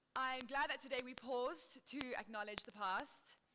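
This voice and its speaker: Over noticeable background noise, a woman talks at a high pitch with lively intonation. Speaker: board member and tech startup founder. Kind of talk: vote of thanks speech. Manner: fast.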